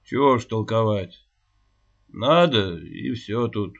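A man voicing a quiet, gruff peasant husband who speaks tersely and dully. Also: fairly low pitch, expressive, slow pace, exaggerated voice. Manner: muffled, terse. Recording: dull lo-fi recording.

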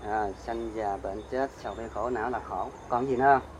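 Monk teaching, faint crickets behind. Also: male voice, medium pitch, steady tone, brisk, a little hiss or hum. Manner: asks the audience questions and answers himself; explains terms step by step, recites verse. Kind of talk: dharma talk.

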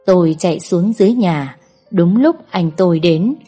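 A woman narrating a first-person story in a steady, even reading voice. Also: lowish voice, normal speed, husky, soft background music.

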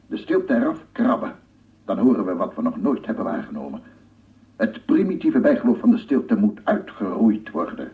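An actor playing a paranoid, embittered amateur sound researcher in a theatrical radio drama monologue, muttering and proclaiming. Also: male voice, on the low side, husky, heavily acted. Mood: fanatical proclaiming. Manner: theatrical, muttering to himself, repeating words, swelling into proclamations. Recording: muffled narrow-band old radio recording, noisy.

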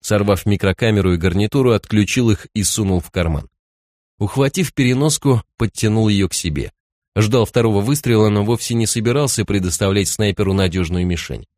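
A man narrating a thriller audiobook in an even, measured storytelling voice on a close studio mic. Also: on the low side, dry recording. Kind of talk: scripted narration.

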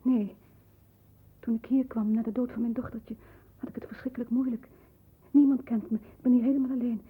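Breathy, frightened young woman. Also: on the high side, flat delivery, a little fast. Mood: anguished pleading. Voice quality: breathy, husky. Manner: hushed, anguished, fragile. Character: frightened, devoted, lonely twenty-year-old woman. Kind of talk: 1960s Dutch radio play acting. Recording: muffled, band-limited 1960s radio recording.

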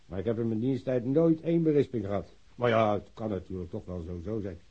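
An actor playing an older widowed policeman in a radio drama, lonely, curt and stubbornly loyal, with a husky voice. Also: fairly low pitch, brisk. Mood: defensive, indignant. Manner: curt, defensive, stonewalling. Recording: dull, muffled old radio recording.

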